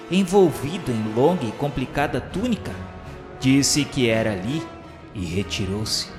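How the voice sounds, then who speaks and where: A man with a Brazilian accent reading a scripted dramatic narration in a solemn, formal, literary manner. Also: lowish voice. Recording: reverberant hall effect, music behind. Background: music.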